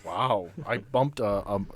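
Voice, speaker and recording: A man's voice: medium pitch, expressive, slow pace, slight background noise. A man running a tabletop game as game master, narrating casually and improvising in stop-and-start phrases.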